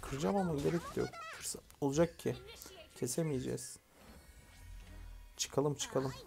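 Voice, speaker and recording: A man commentating his own mobile game match, chatting casually, swearing lightly and shouting orders at teammates. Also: medium pitch, measured pace, vocal fry, over music. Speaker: gaming YouTuber. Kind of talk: live gameplay commentary.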